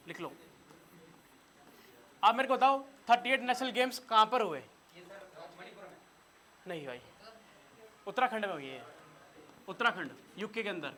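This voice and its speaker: A man's voice: high-pitched, pushed and bright. A man with a Hindi accent teaching a classroom current-affairs lesson, quizzing his students and telling them what to write down. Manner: quizzes students and has them take notes. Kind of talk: classroom lecture.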